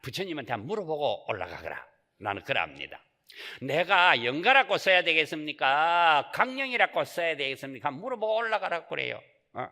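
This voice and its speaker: This man, a Buddhist monk, sits on the high side and sounds very animated, bright and forceful as he moves fairly quickly through a Sunday Dharma sermon. Rhetorical questions and folksy asides run through the talk, which echoes in a reverberant temple hall.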